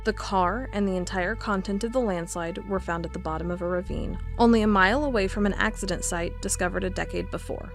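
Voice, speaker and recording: A woman's voice: medium pitch, natural voice. A woman playing a methodical federal agent. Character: female federal agent, methodical, increasingly uneasy. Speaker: investigator reviewing case files. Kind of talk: audio drama monologue.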